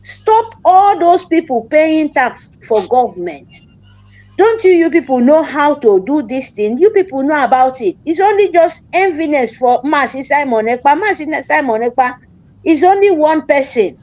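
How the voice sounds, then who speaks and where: High-voiced woman in Nigerian Pidgin. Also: very animated, normal speed, a little mellow, rough recording. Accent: Nigerian Pidgin English. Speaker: caller. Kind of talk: call-in discussion.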